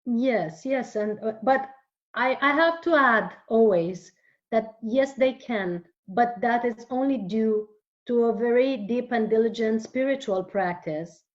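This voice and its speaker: A woman whose first language is Romanian, a guest author speaking earnestly in an interview, often pausing and repeating words. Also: on the high side, dull audio. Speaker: guest author and holistic therapist. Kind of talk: casual interview talk.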